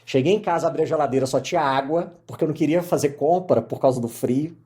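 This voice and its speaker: A middle-aged man from Minas Gerais with a Mineiro accent, telling his career story as a podcast guest in lively casual conversation. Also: on the high side, fast talker. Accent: Mineiro Portuguese. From Minas Gerais, Brazil. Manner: animated storyteller, many fillers.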